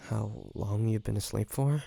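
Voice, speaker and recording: A man playing a gentle, remorseful vampire in an intimate audio roleplay, speaking hesitantly and earnestly with many pauses. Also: on the low side, gravelly, a little hiss or hum. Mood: quiet, explaining. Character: remorseful, gentle male vampire tending his wounded victim.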